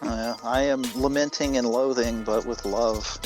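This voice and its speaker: A man's voice: mid-range voice, fairly even intonation, a little slow, over music, low-quality recording. A man recapping a story as a podcast guest, in a casual, wry way. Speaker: podcast guest, writer and editor.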